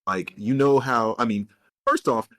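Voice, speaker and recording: A man co-hosting a podcast in casual chat, telling stories in a relaxed way and often quoting others. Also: mid-range voice, measured pace, no echo, studio quality. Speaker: podcast co-host.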